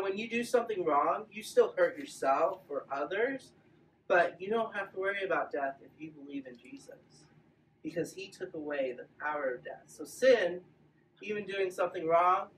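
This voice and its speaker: A woman teaching a children's Bible class in a playful, animated way, coaxing the kids to join in. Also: lowish voice, moderate pace, far from the mic, a little hiss or hum. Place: large echoey room with a group of children. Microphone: camera at a distance. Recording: roomy echo, recorded from afar.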